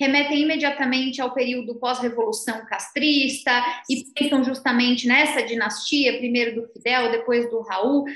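With audible room echo, a woman speaks in a high pitch and a monotone, flat intonation at a moderate pace, her loudness very even. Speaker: interview host. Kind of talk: interview question. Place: home room. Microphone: webcam.

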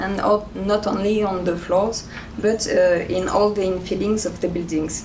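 A woman with a French accent speaks at medium pitch in a monotone, flat way. Light background noise can be heard. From France. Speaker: archaeologist and researcher. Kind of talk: conference talk. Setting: conference stage with audience. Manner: halting, hesitant with many fillers. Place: meeting room. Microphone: camera far.

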